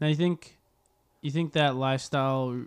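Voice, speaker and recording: A man with an ordinary speaking voice, medium pitch and ordinary pitch variation, in a very clean recording with a silent background. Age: 20s. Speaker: podcast host. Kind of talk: casual interview. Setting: studio.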